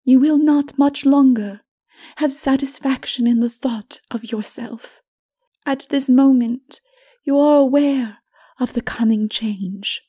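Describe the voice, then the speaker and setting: A woman voicing a sorrowful, righteous holy woman in a dark fantasy audiobook, breathy and often near a whisper, solemn and pleading. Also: high-pitched, takes it slowly, full character voice. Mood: solemn exhortation.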